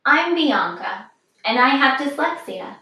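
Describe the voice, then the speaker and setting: A woman reads a children's picture book aloud in a fairly high voice. Her delivery is measured and expressive, with a lively, swinging intonation. She sounds set back from the microphone in a room. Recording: distant, very echoey room.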